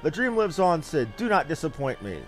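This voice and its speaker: An ambitious, self-important villain from a fantasy game, played by a man. He speaks in grand archaic phrases with a theatrical, animated swing to his voice. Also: fairly high pitch, a little fast, faint music behind. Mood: grandiose, defiant. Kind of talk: fantasy game dialogue read aloud.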